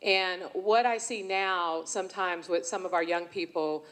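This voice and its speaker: A woman from San Francisco, a mayoral candidate, giving an earnest, measured debate answer and sometimes stumbling over names. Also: fairly low pitch, steady tone, fairly bright tone. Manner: earnest and measured, slightly tongue-tied.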